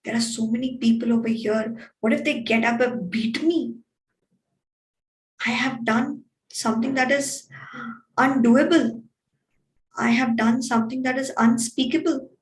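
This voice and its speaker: A woman's voice: on the high side, steady tone, measured pace, lightly acted. A woman voicing a frightened, remorseful male businessman who begs urgently for forgiveness. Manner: pleading, urgent. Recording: roomy, distant from mic.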